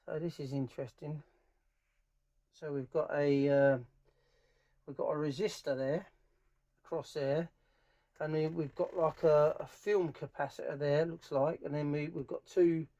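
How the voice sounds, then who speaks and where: A middle-aged man's slightly high, mellow voice keeps a steady tone, unhurried and pausing often, as he thinks aloud through hands-on work in informal commentary. He's a DIY speaker restorer presenting a how-to video in a small, cluttered indoor workshop. The recording sounds muffled yet clear, with background noise and clicks of handling.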